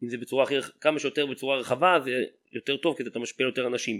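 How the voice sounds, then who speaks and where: A man talks at a very fast pace with a fairly high pitch. The sound is dry and close, with no echo. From Israel, Petah Tikva. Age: 40s. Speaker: city mayor. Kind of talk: interview.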